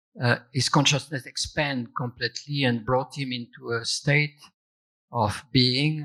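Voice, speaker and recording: Speaking with a French accent, a man uses a bright, sharp tone at a medium pitch and a fairly slow pace. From France. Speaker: author's brother at book launch. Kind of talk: book discussion with reading aloud. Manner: halting, many fillers.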